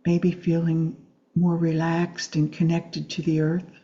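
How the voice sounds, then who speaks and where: Low, mellow woman guiding meditation. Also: completely flat delivery, lo-fi sound. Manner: gentle, soothing, unhurried with long pauses. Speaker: meditation teacher. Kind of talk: guided Yoga Nidra meditation.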